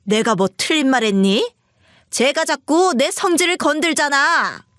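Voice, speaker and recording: A woman voicing a pushy, shrill older mother-in-law who scolds and wails indignantly. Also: animated, a little slow, a bit bright, no room sound, studio quality. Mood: scolding.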